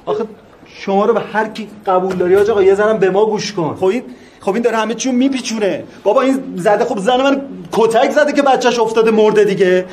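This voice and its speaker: An actor playing a desperate, hot-tempered working-class husband in a film drama, shouting and pleading. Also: male voice, sits high, slight background noise, close to an everyday voice.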